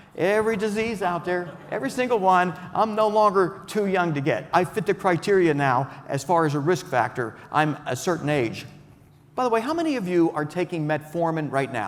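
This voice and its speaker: A man with a high voice speaks at a moderate pace with lively intonation, and audible room echo surrounds him. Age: 60s. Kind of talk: conference talk.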